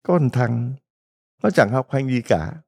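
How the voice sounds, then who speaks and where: A man's voice: mid-range voice, lively intonation, a little slow, creaky, a little mellow. A middle-aged man, a Catholic priest, giving a folksy retreat homily full of stories and rhetorical questions to the congregation.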